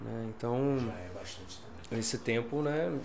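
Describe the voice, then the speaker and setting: With music in the background and audible room echo, a man speaks at medium pitch with ordinary pitch variation. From Brazil, São Gonçalo (Rio de Janeiro). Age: 30s. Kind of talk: casual interview.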